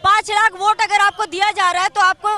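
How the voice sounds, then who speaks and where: Woman anchor, very high pitched and bright, firm moderator asking a crowd for calm, outdoor debate, faint crowd behind. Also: brisk. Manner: firm, repeatedly calling for calm over interruptions. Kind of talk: live street debate moderation.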